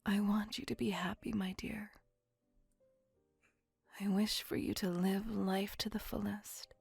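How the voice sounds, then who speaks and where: A woman voicing a possessive, centuries-old female vampire in an ASMR roleplay, whispering softly with formal, old-fashioned phrasing. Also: medium pitch, level tone, unhurried, gravelly, husky, no echo, full character voice. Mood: tender. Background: faint music.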